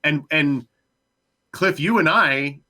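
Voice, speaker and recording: A man in a casual panel discussion, hedging and repeating himself as he thinks out loud. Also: on the high side, slow. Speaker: panelist on a podcast discussion show.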